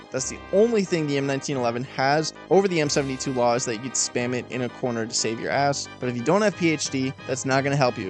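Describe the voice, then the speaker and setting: A young man giving emphatic, profane weapon-ranking commentary, his throat tired and a little raspy. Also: a little high. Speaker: gaming video host. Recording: voice-over with loud music behind.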